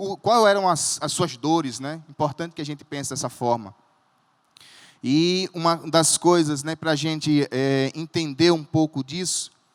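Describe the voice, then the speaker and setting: Fairly slow speech from a man with a northeastern Brazilian accent, fairly high in pitch with ordinary pitch variation, in a very clean recording with a silent background and a dry, close sound with no echo. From Alagoas, northeastern Brazil. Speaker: pastor. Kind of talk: sermon.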